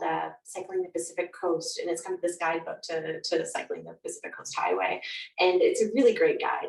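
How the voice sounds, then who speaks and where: A woman's voice: fairly low pitch, vocal fry, darkish tone. A woman guest chatting casually and reflectively in an interview, telling stories in an informal way. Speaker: guest author. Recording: roomy echo, distant from mic.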